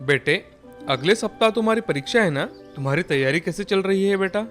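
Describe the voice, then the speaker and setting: Guy doing a soft fatherly cartoon dad, higher voice, music behind. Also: animated, a little fast. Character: caring father and remorseful brother.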